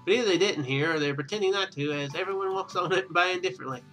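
A man's voice: high-pitched, fast, a bit bright, rough recording. A young man hosting a casual game playthrough, reading narration aloud and commenting, sometimes stumbling over words and rereading them. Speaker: let's play host. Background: game music.

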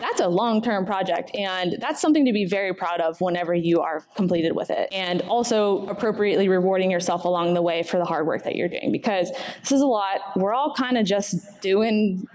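A woman's voice: medium pitch, a little fast, a little mellow. A young adult woman presenting informally at a convention panel, speaking in a conversational, encouraging way into a table microphone. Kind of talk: informal slide presentation to a room. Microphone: table microphone on a stand.

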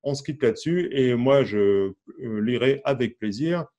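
A man's voice: mid-range voice, animated, unhurried, warm tone. A man teaching a casual online music lesson, chatty and full of fillers, counting and singing out syllables over an instrument.

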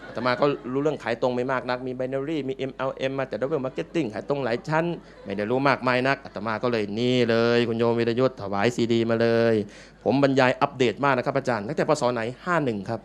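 A Buddhist monk giving a playful, joking dharma talk to a live audience in a large meeting hall. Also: male voice, mid-range voice, quick pace, slight background noise.

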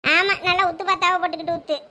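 A woman's voice: very high voice, fairly even intonation, rapid-fire, bright, forceful tone, heavily acted. A woman playing an opinionated village aunt, scolding and bantering in a comic sketch.

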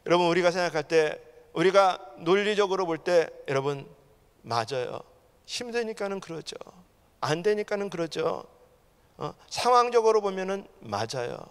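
A man pastor preaching a fervent sermon in a church sanctuary. He keeps addressing the congregation directly and swings between loud outbursts and hushed asides. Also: high voice, animated, moderate pace, clear, resonant tone. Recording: long reverb of a large church hall.

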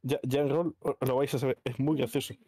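A man's voice: mid-range voice, fairly even intonation, fairly quick, dark tone, no echo. A man with an accent from Spain, chatting casually with friends in a gaming voice chat. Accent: Spanish, from Spain. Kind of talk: casual gamer banter in voice chat.

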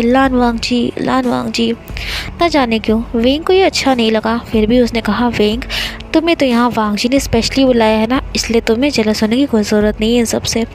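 A woman's voice: a little high, a little hiss or hum, poor audio. Woman narrating a fanfiction story.

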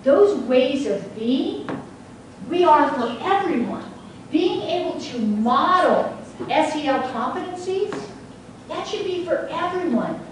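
A woman facilitator speaks to a seated group in a large training room, heard from the back of the room, her voice fairly high. The room is very echoey and she sounds far from the mic, with a faint hiss underneath. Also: lively intonation, slow pace. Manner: engaging, asks the audience questions. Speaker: workshop facilitator. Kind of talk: teacher training presentation. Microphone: room recording from the back.

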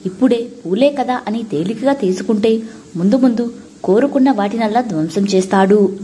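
Mellow-voiced woman narrating a story. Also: a little high. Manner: steady, measured storytelling.

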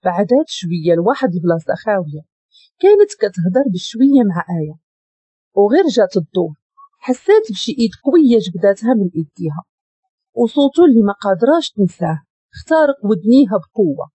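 Expressive Moroccan woman narrating a story. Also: medium pitch, fast, husky, no room sound. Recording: dull lo-fi dry recording.

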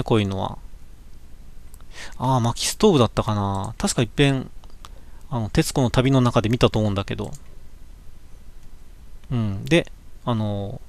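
A man's voice: mid-range voice, creaky. A man chatting casually through a slideshow of his cycling trip, musing aloud, correcting himself and reading signs with many small fillers. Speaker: cycling vlogger looking back on a trip. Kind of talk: casual slideshow commentary for a live stream. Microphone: webcam.

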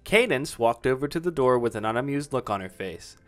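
Lively male story narrator. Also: mid-range voice, a little fast, soft background music. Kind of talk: dramatic fan fiction reading, scripted narration.

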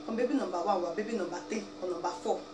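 A woman's voice: medium pitch, very fast. A young Nigerian woman with an Igbo accent, seated at home and talking emphatically to the camera, pleading and scolding with frequent "eh?" asides. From Nigeria, Abia State. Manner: emphatic, pleading, peppered with "eh?" and "biko". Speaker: vlogger. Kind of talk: animated rant to camera. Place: small indoor room, seated in chair. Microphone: camera a few feet away. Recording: roomy, distant, noisy home recording.

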